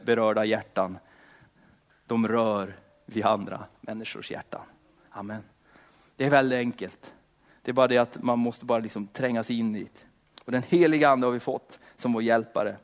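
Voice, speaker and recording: Speaking at a medium pitch, a man shifts from an impassioned prayer, with "Lord" repeated between phrases, into a relaxed sermon full of slang and fillers.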